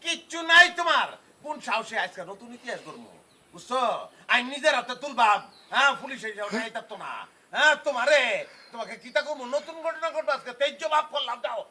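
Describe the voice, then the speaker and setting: A guy playing a loud sylheti son ranting fast, super bright. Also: extremely high pitch, animated, exaggerated voice. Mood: accusing. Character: hot-headed grown son defending his mother.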